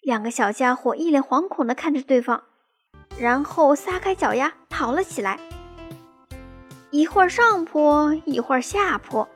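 A woman reading a children's story aloud in a slow, gentle and expressive way. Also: high-pitched, soft background music.

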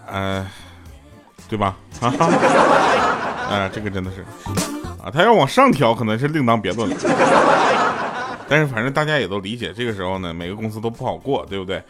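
Chuckling man telling jokes, lively pitch. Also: fast talker, loud music behind the voice. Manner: laughs often between punchlines; loose, conversational, many fillers. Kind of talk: chatty comic storytelling.

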